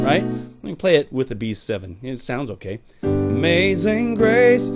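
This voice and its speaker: A man teaching a piano lesson in a casual, playful way, joking and exclaiming between chord demonstrations. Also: on the high side. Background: piano playing.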